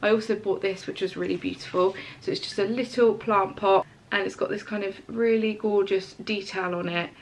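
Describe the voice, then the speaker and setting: A woman with a stuffy, congested voice talks in a bubbly, gushing way. Her pitch sits in the middle, and she fills the talk with chatty asides. A faint hiss lies behind her as she sits on her bedroom floor. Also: steady tone, normal speed, hardly any pauses, low-quality recording. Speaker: home and lifestyle vlogger. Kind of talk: casual chatty haul video.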